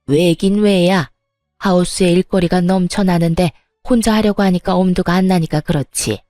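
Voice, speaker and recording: A woman's voice: fairly low pitch, fairly even intonation, normal speed, warm tone, no echo, studio quality, soft background music, lightly acted. A woman voicing a furious, spiteful older mother-in-law who berates and sneers, in a dramatized story reading. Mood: angry scolding.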